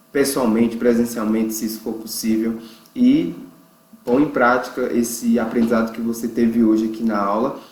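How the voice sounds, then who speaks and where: A man from Brazil teaching an English lesson, explaining phrases and slowly drawing out example words for learners to repeat. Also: medium pitch. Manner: slow, drawn-out pronunciation drills. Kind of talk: online language lesson. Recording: echoey room.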